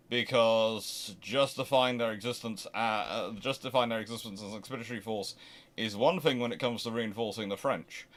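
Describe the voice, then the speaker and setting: Man thinking aloud, halting and emphatic. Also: mid-range voice, fairly bright tone. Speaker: host of naval history channel. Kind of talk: live question-and-answer talk, speculative history commentary.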